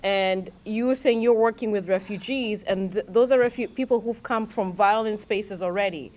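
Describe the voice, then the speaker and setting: A woman leads a seminar panel discussion. She sums up what she has heard and follows with careful questions, in a voice of ordinary pitch. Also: normal speed, darkish tone. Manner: summarizing, probing questions. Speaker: moderator. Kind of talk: panel moderation. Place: seminar hall.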